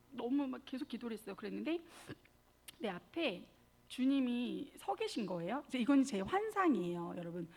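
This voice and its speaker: A woman's voice: mid-range voice, vocal fry, a little mellow, breathy edge. A woman guest speaker preaching a sermon, telling her story animatedly, acting out quotes and addressing the congregation directly.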